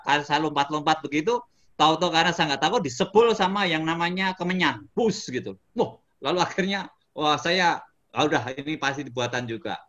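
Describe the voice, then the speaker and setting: Animated storytelling Indonesian man. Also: on the high side. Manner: animated, with sudden shouts and chuckles. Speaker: motivational speaker. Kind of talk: casual storytelling in an interview.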